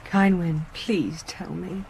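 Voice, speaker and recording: An actress playing an anxious, obsessive wife in a radio horror play, intense and dramatic. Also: female voice, on the low side, fairly even intonation, slow pace, gravelly, darkish tone. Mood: anxious, pleading. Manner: intense, dramatic, lapsing into whispers. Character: anxious, obsessive wife gripped by morbid fixation. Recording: noisy 1980s radio drama recording.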